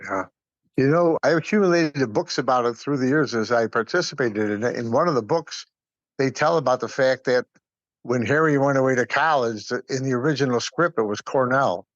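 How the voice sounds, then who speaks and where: A man talks casually in a medium-pitched voice, repeating words to make his point. The recording is dry but a little dull. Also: brisk, dry recording. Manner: emphatic, repeats words for emphasis. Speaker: guest, community theatre player. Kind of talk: casual conversational storytelling. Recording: slightly dull, lo-fi audio.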